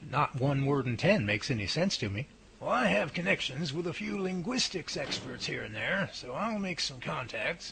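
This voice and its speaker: A man's voice: a little high, creaky, bright, forceful tone, slight background noise, exaggerated voice. A man acting a folksy, earnest Bigfoot researcher in a radio drama, full of old-fashioned exclamations and homespun idioms. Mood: matter-of-fact. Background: music.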